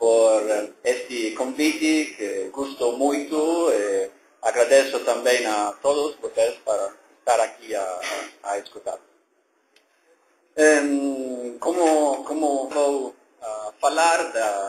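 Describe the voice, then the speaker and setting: Speaking very slowly, a man with a fairly high pitch talks with a non-native accent. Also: ordinary pitch variation. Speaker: professor. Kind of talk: lecture. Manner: halting.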